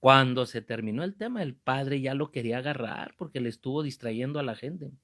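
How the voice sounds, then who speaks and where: A male Catholic preacher, giving a sermon full of jokes, anecdotes and rebukes, in an animated manner. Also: mid-range voice, brisk. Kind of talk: sermon with comic storytelling.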